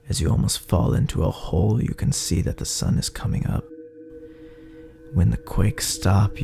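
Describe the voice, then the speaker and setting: Gravelly, breathy, low-voiced male horror narrator. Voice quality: gravelly, breathy, often dropping toward a whisper. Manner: ominous, drawn-out, dramatic phrasing. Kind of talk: scripted dramatic sci-fi horror story narration in second person. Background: music.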